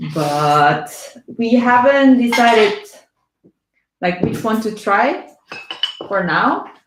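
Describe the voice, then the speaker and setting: A woman speaks very slowly in a Korean accent, with long, frequent pauses. Her pitch swings very widely, and the room echo is audible. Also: fairly high pitch for a woman. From South Korea. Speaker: travel vlogger. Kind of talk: casual live Q&A chat.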